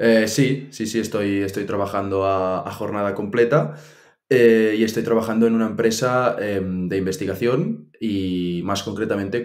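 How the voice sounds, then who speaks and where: There is audible room echo around a man speaking with a Barcelona accent. His pitch is fairly low, with ordinary variation. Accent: Barcelona accent noticeable. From Barcelona, Spain. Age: 20s. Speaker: sports betting tipster. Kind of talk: interview.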